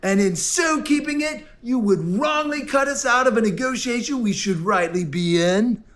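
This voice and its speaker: A performer playing a pompous wasteland negotiator who talks in stiff formal phrases and shouts in a comedy sketch. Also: medium pitch, moderate pace, natural voice. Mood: indignant. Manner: formal wording, shouts, turns giddy.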